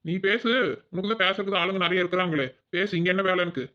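Cartoon village husband, sulky and jealous, Kongu accent, snaps back in rapid bursts; a man voices him; muffled lo-fi sound. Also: sits high, steady tone, close to an everyday voice. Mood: grumpy. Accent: Kongu Tamil. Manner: curt, snapping replies. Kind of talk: cartoon voice acting.

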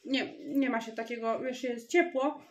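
A woman with a high voice talks in an unhurried, easygoing way, as if to friends. She thinks aloud while putting groceries away in her kitchen, with a chatty vlogger's manner. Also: steady tone. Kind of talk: casual chat to viewers. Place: home kitchen.

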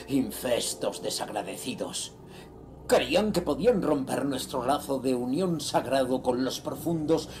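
A man's voice: mid-range voice, vocal fry, a little mellow, slight background noise. An actor playing a ruthless cult leader reading his sinister diary in a horror audio drama, solemn, menacing and theatrical.

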